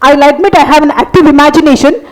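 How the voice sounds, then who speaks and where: The stage character acted by a woman is an imaginative, fretful woman. Her voice is extremely high, and she speaks in a questioning, precise, literal-minded way. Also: fast talker, lightly acted. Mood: matter-of-fact. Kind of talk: staged play reading.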